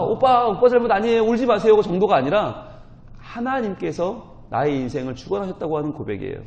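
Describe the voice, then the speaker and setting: A man's voice: a little high, darkish tone. A male pastor gives an early-morning sermon, telling the story with strong emotion and putting questions to the congregation. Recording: muffled lo-fi recording.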